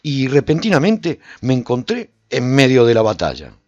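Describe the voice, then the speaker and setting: A man's voice: mid-range voice, wildly swooping pitch, moderate pace, darkish tone, dry recording, highs cut off. A man giving an intense, dramatic first-person narration for a radio serial.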